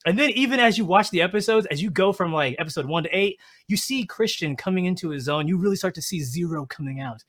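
Lively, animated male podcast host. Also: sits high, quick pace, hardly any pauses. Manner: animated, laughs often. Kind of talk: casual chat.

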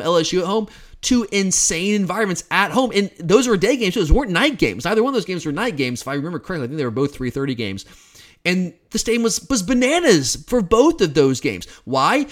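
A man in his thirties hosting a sports podcast, talking in an excited, emphatic way with frequent restarts. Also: a little high. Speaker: podcast host. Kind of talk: casual sports podcast monologue.

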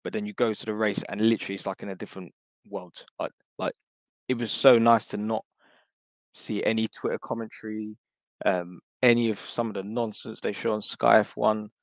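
A man with a hoarse voice, a podcast panelist talking in a rambling, casual way full of fillers and restarts. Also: on the low side, fairly even intonation, fairly quick, no echo. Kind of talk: casual chat.

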